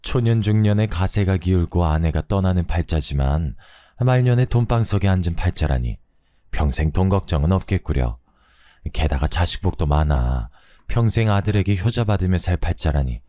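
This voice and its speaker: A man voicing an old, weary blind woman fortune-teller who sighs and laments slowly. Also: low voice, animated, mellow, no echo, studio quality. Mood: lamenting.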